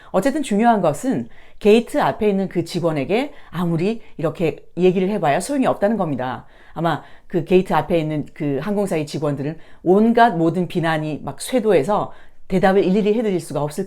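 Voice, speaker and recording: Speaking in a lowish, dark-toned voice, this woman teaches a lesson as an English teacher and video host. She's polite in her explanations and enunciates each example phrase carefully.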